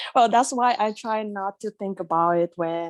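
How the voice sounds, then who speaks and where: Spoken with a Vietnamese accent at a fairly slow pace, the voice sounds dry and close with no echo against a quiet background. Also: woman. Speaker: open mic speaker. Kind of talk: casual panel discussion. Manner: halting.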